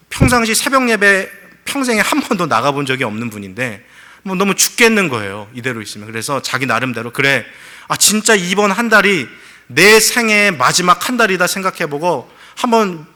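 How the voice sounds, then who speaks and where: Man, pastor, middle-aged, very bright tone, slightly high voice, sermon, acted-out quotes. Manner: storytelling with acted-out quotes, rising to fervent pleas.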